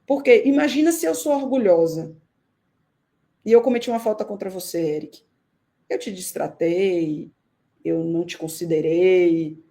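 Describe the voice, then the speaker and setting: A woman from Salvador with a Northeastern Brazilian accent, answering questions in a live-stream interview in a thoughtful, measured way with frequent hesitations over a video call. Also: medium pitch, creaky, dark tone. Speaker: guest researcher.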